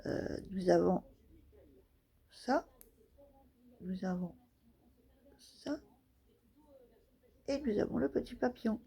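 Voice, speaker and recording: A woman with a slightly husky voice chats slowly through a casual craft show-and-tell. She keeps pausing to search for words, fills the gaps and pokes fun at her own guesses. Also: medium pitch, animated, warm tone. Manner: hesitant, searching for words, many fillers; self-deprecating, laughs at her own guesses. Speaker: scrapbooking vlogger.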